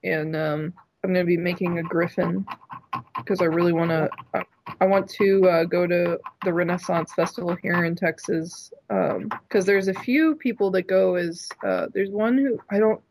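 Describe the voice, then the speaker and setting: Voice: medium pitch, fairly even intonation, moderate pace, noisy background. A person chatting casually on a podcast, giggling often and rambling through restarts. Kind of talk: casual chat.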